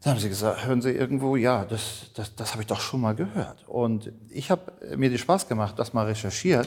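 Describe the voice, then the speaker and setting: In an ordinary speaking voice, a man delivers his words rather briskly. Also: medium pitch for a man, ordinary pitch variation. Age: 50s. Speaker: marketing professor. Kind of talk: interview. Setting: on location at a university by the harbour.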